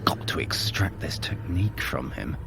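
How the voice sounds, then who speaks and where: An actor playing a sly, sardonic trickster god in an audio drama, speaking in an articulate, theatrical, wry way. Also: male voice, deep voice, expressive, moderate pace, creaky, a bit bright, slight background noise, exaggerated voice. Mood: scheming, guarded. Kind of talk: scripted audio drama acting.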